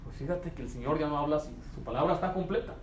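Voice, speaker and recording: A man's voice: on the high side, racing. A young adult man preaching a conversational sermon as pastor, with anecdotes and acted quotes. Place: church sanctuary. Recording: echoey church room with faint ambience.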